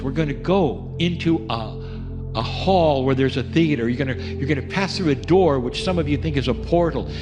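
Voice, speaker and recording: A man leading a guided spiritual meditation, speaking gently and coaxing listeners along with many questions. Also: on the high side. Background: music.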